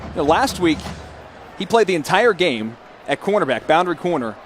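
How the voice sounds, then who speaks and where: A male color analyst talks through a live football game in a conversational way. His voice is slightly high. Clear stadium noise runs behind the broadcast mic. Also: big pitch swings, brisk.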